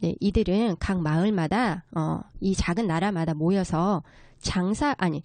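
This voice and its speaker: A woman's voice: on the low side, measured pace, darkish tone, no echo. A woman speaking as a guest expert, explaining local folk culture politely and step by step. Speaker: guest expert, children's story writer.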